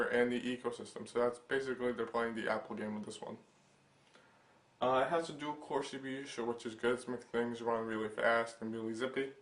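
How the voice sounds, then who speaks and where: A young man talks through a gadget overview for his channel, his voice stuffy from a lingering cold. He rambles with lots of fillers and restarts, and his pitch stays flat and level throughout. The room around him sounds echoey. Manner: rambling, filler-heavy, hesitant. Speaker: tech channel host. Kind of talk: casual product overview vlog.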